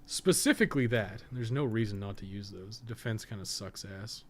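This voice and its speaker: A man's voice: on the low side, normal speed. A man gives casual, unscripted gameplay commentary, thinking aloud in a rambling, self-deprecating way with some mild swearing. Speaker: podcast co-host and game streamer. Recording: clearly noisy background.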